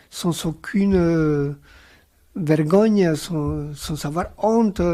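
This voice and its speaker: Sitting high in pitch with a mellow quality, this native Spanish speaker's voice belongs to a guest author on a round-table panel. He muses in a reflective, philosophical way, hesitating often with pauses and fillers.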